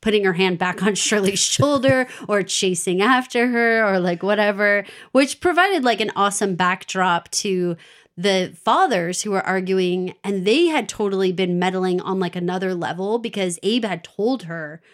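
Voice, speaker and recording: Woman, podcast co-host, casual chat, animated, laughs often. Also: medium pitch, moderate pace. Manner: animated, laughs often, quotes characters in voices.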